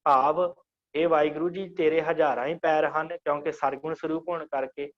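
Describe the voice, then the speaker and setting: A man teaching an online scripture class, reciting verse lines slowly and then patiently explaining each word. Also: on the high side, fairly even intonation, muffled recording.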